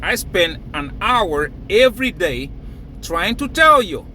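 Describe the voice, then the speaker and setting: A man's voice: sits high, very animated, slow, pushed and bright, slight background noise, poor audio. A man from Cameroon, raised in Nigeria, talking emphatically to camera and laughing between phrases. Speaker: crypto vlogger. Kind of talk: casual hype monologue to camera.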